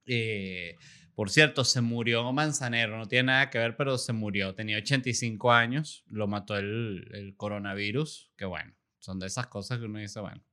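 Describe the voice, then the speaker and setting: A man's voice: fairly low pitch, normal speed, pushed and bright, clean tone. A man hosting a comedy podcast, talking in a loose, playful monologue with jokes and asides. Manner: playful, jokey, shifts into mock ASMR murmur. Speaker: podcast host and stand-up comedian.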